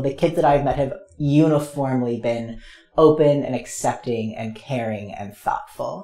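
Amid audible room echo, a man with a dark, mellow tone speaks at a moderate pace with ordinary pitch variation. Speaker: interviewee. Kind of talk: interview answer. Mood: earnest, reflective. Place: studio.

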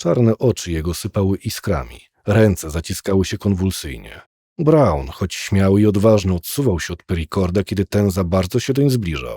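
Very deep and low, a man's voice carries a dark, mellow tone and lively intonation at a moderate pace. The sound is dry and close with no echo, on a very clean recording with a silent background. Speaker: audiobook narrator. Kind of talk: dramatic audiobook narration of a detective story. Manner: vivid, theatrical, suspenseful.

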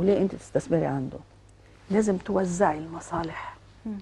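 A woman is speaking. Her pace is fairly quick. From Egypt. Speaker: member of parliament, economist; guest. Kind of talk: TV interview. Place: studio.

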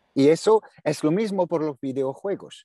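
In a quiet background with a dry sound and no echo, a man with a non-native accent speaks at a fairly slow pace in a fairly high pitch, using a dark, mellow tone and very wide pitch swings. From France. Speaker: voice actor. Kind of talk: interview; interview answer. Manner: halting. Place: home room. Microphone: video call.

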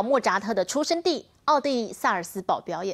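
Against a quiet background, a woman speaks at a moderate pace. Her pitch swings very widely. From Taiwan. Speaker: news anchor. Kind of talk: news reading. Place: studio.

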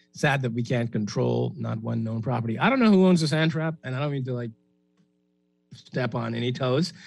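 Against music in the background, a man speaks fairly quickly at a medium pitch with ordinary pitch variation. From Bahamas. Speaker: radio talk show host. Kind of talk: talk radio commentary. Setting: studio. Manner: animated.

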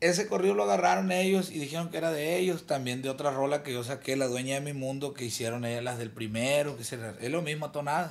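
Fairly quick delivery with very wide pitch swings and audible room echo. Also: man. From Mexico, Sonora. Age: 20s. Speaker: regional Mexican singer. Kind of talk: casual interview.

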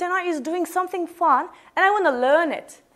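A woman with a Turkish accent speaks against a quiet background. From Turkey. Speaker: English teacher. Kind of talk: conference presentation. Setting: stage with audience. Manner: energetic. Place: classroom.

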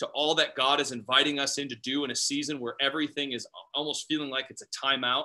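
A bright, sharp tone comes through over a quiet background. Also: man. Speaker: ministry coordinator; ministry event host. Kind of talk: announcement. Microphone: video call.

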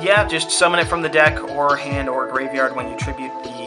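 A man talking at a fairly quick pace with clear music in the background. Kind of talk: casual deck profile talk.

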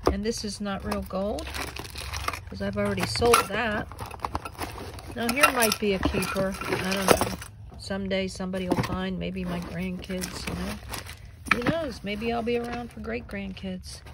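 A woman speaks at a moderate pace with long, frequent pauses. Loud background noise fills the dry sound, which has no echo. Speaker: vlogger sorting belongings. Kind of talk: casual vlog chat. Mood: reflective, mildly wry. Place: garage. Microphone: phone near.

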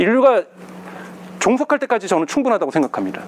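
Over light background noise, a man speaks in a high pitch with very wide pitch swings. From South Korea. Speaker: media entrepreneur and lecturer; lecturer. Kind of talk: lecture. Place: hall. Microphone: handheld.

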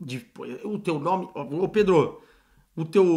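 A man with a dark, mellow tone and high pitch talks with ordinary pitch variation against a quiet background. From Brazil, São Paulo. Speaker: football commentator. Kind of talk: casual chat. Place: home room. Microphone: webcam.

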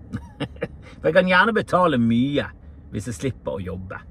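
A man is speaking, the sound dry with no echo. Light background noise can be heard. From Norway. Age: 40s. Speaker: comedian. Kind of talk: casual monologue podcast. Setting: in a car. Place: car. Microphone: handheld.

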